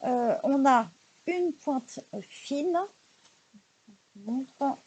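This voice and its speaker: A woman presenting her recent craft purchases in a casual, chatty haul video, often pausing on fillers. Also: high voice, expressive, a little mellow, husky. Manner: chatty, many hesitation fillers and "donc voilà". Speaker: craft YouTuber showing purchases.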